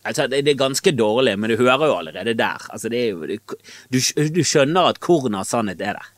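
A man's voice: mid-range voice, expressive, no room sound. Guy ranting on his podcast, swears a lot, voice jumps around, dry close sound. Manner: opinionated, rambling, swears freely. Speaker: podcast host. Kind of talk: casual solo podcast monologue. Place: small storage room.

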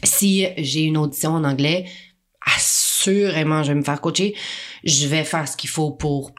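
A woman's voice: deep voice, steady tone, measured pace. A Québécois actress in her thirties, chatting earnestly in an interview and repeating words as she thinks. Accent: Québécois French. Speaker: actress, podcast guest. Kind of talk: casual interview chat.

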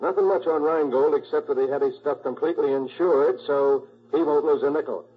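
Husky, blunt police sergeant, old radio. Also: male voice, a little high, a little fast, soft background music. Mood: businesslike. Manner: blunt, slangy. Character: tough, blunt male police homicide sergeant. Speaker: actor in radio drama. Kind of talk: 1940s radio acting. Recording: muffled old 1940s radio recording.

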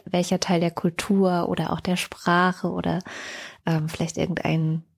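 Soft-pitched woman host asking a question. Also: flat delivery, a little slow, gravelly, slightly rough. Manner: thoughtful, open questions listing options.

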